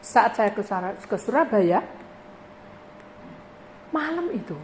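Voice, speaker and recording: A woman's voice: fairly high pitch, slow pace. A woman pastor, telling a testimony in her sermon and acting out the voices of the people in it. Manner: animated storytelling, acting out voices in dialogue. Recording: noisy live recording.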